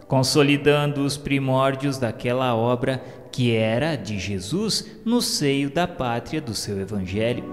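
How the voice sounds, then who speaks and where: Slow, solemn Brazilian man narrating in long reverb. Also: medium pitch. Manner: solemn, formal, measured delivery. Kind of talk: solemn scripted narration of a religious radio novela. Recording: long reverb, music underneath. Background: music.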